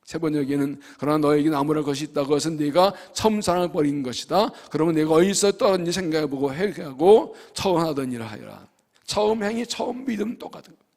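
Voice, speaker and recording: A middle-aged male pastor preaching a sermon, swinging between loud exhortation and hushed asides as he acts out dialogue. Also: fairly high pitch, fast. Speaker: senior pastor. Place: church sanctuary. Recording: long hall reverb.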